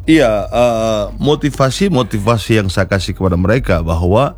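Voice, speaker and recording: A film director, answering interview questions in an earnest, encouraging way, often pausing on fillers and restarting words. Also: male voice, on the low side.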